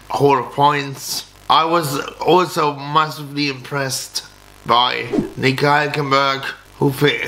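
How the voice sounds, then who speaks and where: A man in his thirties reviewing a race casually to camera, speaking haltingly and often repeating and restarting his words. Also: mid-range voice, bright, forceful tone, rough recording. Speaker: motorsport vlogger. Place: small home office, indoors.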